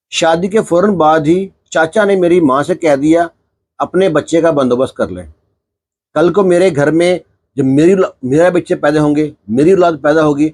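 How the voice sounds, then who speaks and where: Man, storyteller, moral tale, earnest and heartfelt, slightly high-pitched, slips into characters' dialogue. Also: darkish tone.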